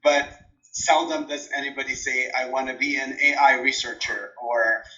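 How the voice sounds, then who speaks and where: Man with an Arabic accent, bright, lo-fi. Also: mid-range voice, fairly even intonation, normal speed. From Jordan. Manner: thoughtful, many fillers and restarts. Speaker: interview guest, dissertation coach. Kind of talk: relaxed conversational interview.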